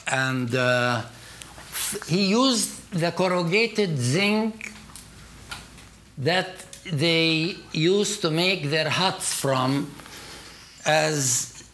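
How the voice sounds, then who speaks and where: An older man from Palestine with an Arabic accent, speaking English as a guest on stage in a lecture hall, telling stories with emphatic, animated delivery and many restarts. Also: fairly high pitch. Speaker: art collector, guest. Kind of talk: conversational storytelling on stage. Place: lecture hall with seated audience.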